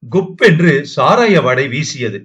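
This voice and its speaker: A man reading a short story aloud as an audiobook narrator, with a steady dramatic delivery. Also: fairly high pitch, takes it slowly. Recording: dull lo-fi audio.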